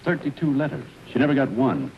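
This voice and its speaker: An actor playing a weary, lovesick army officer who speaks curtly and with restraint, in 1930s film style. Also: male voice, animated, a little fast, lightly acted. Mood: worried. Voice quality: curt, low and restrained. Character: weary lovesick male officer, curt and brooding. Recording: muffled old film soundtrack with hiss.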